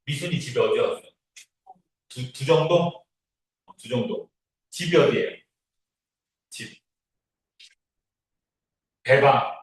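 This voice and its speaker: A man's voice: medium pitch, slow, pauses often. A man giving an informal, easygoing orientation talk to a class as their instructor, reassuring and often checking that listeners follow. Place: indoor classroom, recorded from a distance. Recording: very echoey room, distant mic.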